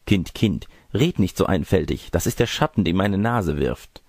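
A man's voice: deep voice, lively intonation, moderate pace, gravelly, a little mellow, slightly rough, no echo, clean studio sound, full character voice. A man voicing a lecherous wolf-sorcerer who poses as a grandmother in a storybook tale, by turns testy, wheedling and smug. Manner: wheedling, boastful, crude. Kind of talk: storybook character reading.

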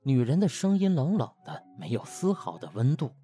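Theatrical male storyteller, very animated. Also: fairly high pitch, normal speed, soft background music. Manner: colloquial, theatrical. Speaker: audiobook narrator. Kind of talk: dramatized storytelling of comic web novel.

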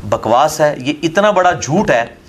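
A man with a high-pitched voice and a Pakistani Urdu accent gives a polemical question-and-answer lecture. He argues forcefully and scornfully, piling up points to knock down a rival's claims. He speaks as a scholar answering questions at an academy. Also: animated, moderate pace, a little hiss or hum. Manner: emphatic, scornful, argumentative.

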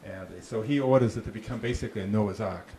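A man's voice: fairly low pitch, quick pace, mellow. A man with a Boston accent, a park ranger giving an informal talk into a handheld mic in a small room, chatty with frequent restarts and dry jokes. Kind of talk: informal talk with audience questions. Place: small dark meeting room with slide screen. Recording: echoey room with faint noise.

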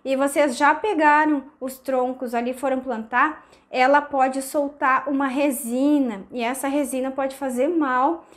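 A woman in her thirties with a high, slightly hoarse voice, recovering from a cold. She talks casually and warmly to camera, gesturing as she explains, recorded on a lapel mic in a small indoor room. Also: fairly even intonation, a little slow, few pauses. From southern Brazil. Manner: chatty, explains with hand gestures. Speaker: orchid-growing channel host. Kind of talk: casual tutorial talk to camera. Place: indoor room with tiled wall and orchids.

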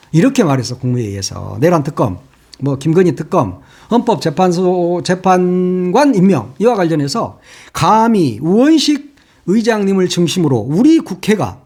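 Guy ranting on his politics channel, husky voice, swings all over, throws insults and rhetorical questions. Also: sits high, darkish tone. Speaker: political YouTube commentator. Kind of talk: angry political commentary.

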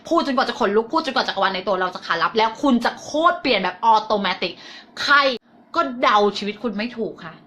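A woman's voice: fairly high pitch, lively intonation, fast, fairly bright tone. A middle-aged woman teaching a motivational self-help lesson, blunt and coarse, sprinkling polite particles through her talk.

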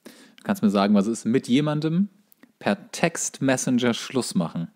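A man co-hosts a podcast in a casual, comedic style. His voice sits at a medium pitch. He sounds wry as he quizzes and teases. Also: animated, moderate pace, darkish tone. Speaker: podcast co-host.

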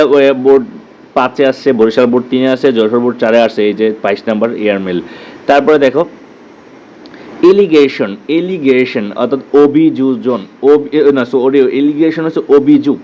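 A man's voice: mid-range voice, darkish tone, a little hiss or hum, poor audio. Bangladeshi man teaching exam vocabulary. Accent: Bangladeshi Bengali. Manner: drills terms, repeats words slowly, asks "clear?". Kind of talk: exam-prep lesson.

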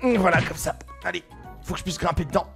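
A man giving excitable gaming commentary, exclaiming, laughing and shouting as he plays. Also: high-pitched, fast talker, gravelly, over loud music. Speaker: gaming YouTuber.

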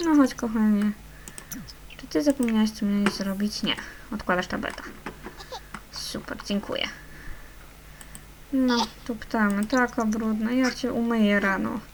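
A woman's voice: fairly high pitch, measured pace, long pauses, noisy background. Chatty young woman narrating a life-sim game. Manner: chatty, coaxing the game characters with endearments. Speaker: gaming channel host. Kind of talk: casual let's-play commentary.

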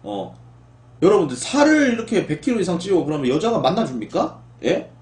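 Lively young Korean man streaming in an echoey room. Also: sits high, brisk. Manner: talks back to chat, rising into exasperated outbursts. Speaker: live streamer. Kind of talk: casual live-stream chat.

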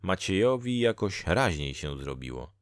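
A man narrating a folk tale as an audiobook reader, in measured, even storytelling. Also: sits low, no echo, studio quality.

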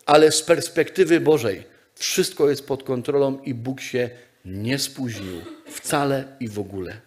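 Male pastor, mid-pitched voice, emphatic repetitive sermon delivery. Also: measured pace. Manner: emphatic repetitive preaching, rising and dropping loudness.

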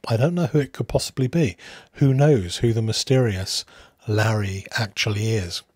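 A man hosting a hobby video in a casual, unscripted way, musing aloud with hesitant pauses. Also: lowish voice, a little mellow, dry recording, studio quality. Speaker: host of a coin collecting channel.

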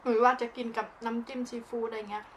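A woman's voice: fairly high pitch, little pitch movement, racing. Woman chatting while eating, noisy background. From northeastern Thailand (lower Isan). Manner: talks while eating, mouth often full. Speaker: food vlogger. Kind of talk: casual eating-show chat. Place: outdoors in a backyard. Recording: clear background noise, outdoor ambience.

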